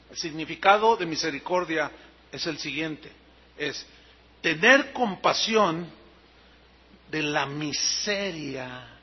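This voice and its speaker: Husky Mexican preacher, high-pitched. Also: male voice. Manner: animated, acts out scenes, explains words. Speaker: pastor. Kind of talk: sermon. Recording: dull lo-fi sermon recording.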